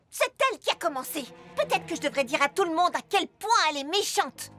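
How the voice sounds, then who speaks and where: A woman's voice: very high-pitched, a bit bright. A woman voicing a sweet, earnest, kind-hearted young girl baker in a French children's cartoon dub, sincere and childlike. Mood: torn, earnest. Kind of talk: French animated series dub acting.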